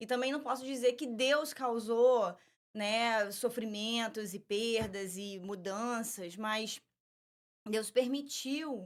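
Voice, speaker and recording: Speaking at a very slow pace, a woman with a fairly high pitch and ordinary pitch variation talks in a Rio de Janeiro accent. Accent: carioca. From Brazil, Rio de Janeiro. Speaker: pastor. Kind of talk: testimony.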